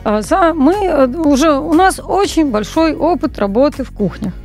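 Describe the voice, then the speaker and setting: A woman in her forties, a copywriter guest on a radio talk show, telling stories in an animated way with frequent hesitations, speaking into a studio microphone. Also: high-pitched, normal speed, faint music behind. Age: 40s. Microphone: large studio mic on boom arm, wearing headphones.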